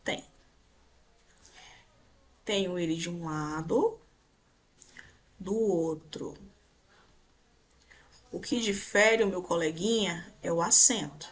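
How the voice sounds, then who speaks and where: A woman's voice: on the low side, slow pace, long pauses. A woman teacher with a Brazilian Portuguese accent, giving a grammar lesson in an explanatory way and pointing things out on slides while checking in with her students.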